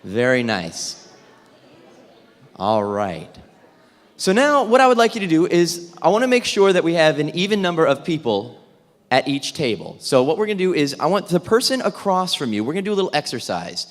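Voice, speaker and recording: Man leading a group warm-up in an echoey hall. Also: a little high, sing-song, moderate pace. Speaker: theatre workshop facilitator. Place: large indoor event room with tables. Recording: echoey hall with long reverb.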